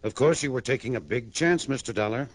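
An actor playing an older psychiatrist in a 1960s radio drama, explaining in a measured, fatherly way. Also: mid-range voice, no echo, natural voice. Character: calm, authoritative male psychiatrist, older. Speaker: doctor. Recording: dry vintage radio broadcast.

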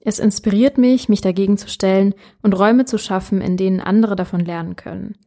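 A woman's voice: mid-range voice, fairly even intonation, fairly quick, dark tone. A woman hosting a podcast interview, who reads a statement aloud and asks friendly, hesitant questions. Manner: friendly and hesitant, with many fillers when asking questions. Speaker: podcast host. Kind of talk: reading a quote aloud and interviewing.

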